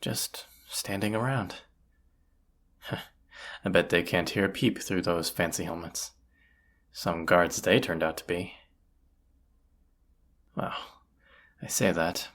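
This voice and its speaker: A performer voicing a folksy, plain-spoken bandit leader in an audio roleplay, with a gravelly, husky voice and a conversational, wry manner. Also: low voice, animated, slow, long pauses, full character voice. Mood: wry, amused. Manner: folksy, conversational, hushed at times. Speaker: character voice actor. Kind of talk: immersive audio roleplay acting, addressing the listener.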